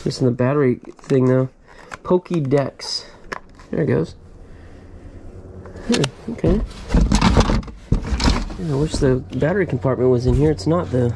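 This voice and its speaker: A middle-aged man, a storage unit reseller, chatting casually through an unboxing, bursting into excited exclamations over his finds, recorded on a head-mounted camera in a storage unit. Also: medium pitch, unhurried, long pauses, background noise. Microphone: head-mounted action camera.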